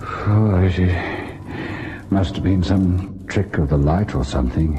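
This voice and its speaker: A haunted husband in an old radio ghost story. The voice is very low and unhurried, grave and measured, on a noisy vintage recording. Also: male voice, warm tone. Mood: shaken, defensive. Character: haunted husband Harry, recalling and reliving a ghostly horror. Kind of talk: old-time radio ghost story acting, narrating and in scene.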